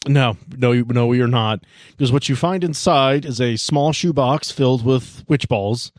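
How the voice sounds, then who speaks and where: A man's voice: mid-range voice, moderate pace, no echo, studio quality. A man narrating as game master of a tabletop game, describing scenes casually with asides and restarts.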